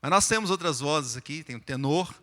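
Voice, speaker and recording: A Brazilian pastor delivers a sermon with a bright, forceful voice. His words carry a long reverb through the church hall. He talks in a relaxed, explanatory manner. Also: fairly high pitch, a little fast. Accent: Brazilian Portuguese. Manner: sings and chants psalm verses, then explains them plainly. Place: church sanctuary.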